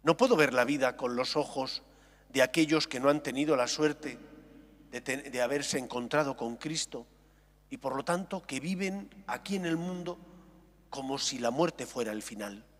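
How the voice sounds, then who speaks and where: A man preaching as a Catholic priest at Mass, solemn and measured, with deliberate phrasing. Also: mid-range voice, a bit bright. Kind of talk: solemn liturgical reading and homily. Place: large echoing church. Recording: echoing cathedral-like hall, long reverb.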